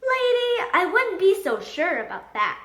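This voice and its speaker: A woman's voice: very high-pitched, wildly swooping pitch, a little slow, a bit bright, voice pushed up, heavily acted. A woman voicing a confident, curious, stubborn little boy in a storybook. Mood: cheeky. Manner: stubborn, inquisitive. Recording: echoey room.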